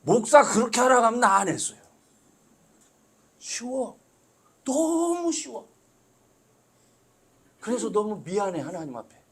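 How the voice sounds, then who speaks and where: A middle-aged man preaching a sermon as pastor, talking to the congregation in a conversational way that swells suddenly loud for emphasis and drops to soft asides. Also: sits high, sing-song, unhurried, pauses often, breathy edge. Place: church sanctuary.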